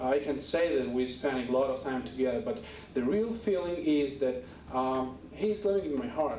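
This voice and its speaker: Speaking at a moderate pace with very even loudness, a man with a fairly high voice swings his pitch very widely, heard over noticeable background noise and audible room echo. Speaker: martial artist. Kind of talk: speech at a dinner. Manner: halting, many fillers.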